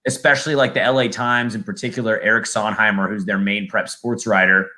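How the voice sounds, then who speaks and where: Low, bright-voiced young man chatting. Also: fairly even intonation, brisk. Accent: Southern California. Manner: rambling, full of fillers and restarts. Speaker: football play-by-play announcer and podcast guest. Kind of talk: casual podcast chat.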